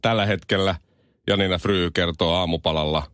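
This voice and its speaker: A middle-aged man hosting a morning radio show, reading mock news in a deadpan way and teasing his co-host. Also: low voice, no echo, clean studio sound. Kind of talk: satirical news reading and casual banter.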